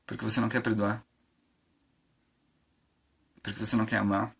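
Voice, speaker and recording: A man's voice: lowish voice, completely flat delivery, moderate pace, gravelly, fairly bright tone, slightly rough. A man preaching an informal sermon on a live stream, conversational, with many fillers and rhetorical questions.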